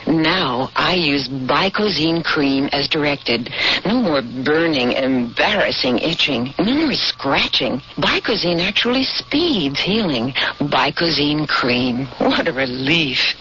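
A woman's voice: low-pitched, lively intonation, slow pace, fairly bright tone. A woman reading a scripted testimonial in a radio commercial. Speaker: commercial spokesperson. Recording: muffled old radio broadcast, faint noise.

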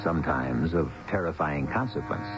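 A man narrating a radio mystery as its host, in a grave, portentous and deliberate manner. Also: a bass voice, animated. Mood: ominous. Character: ominous male narrator of a mystery tale. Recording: muffled 1970s radio broadcast, music behind.

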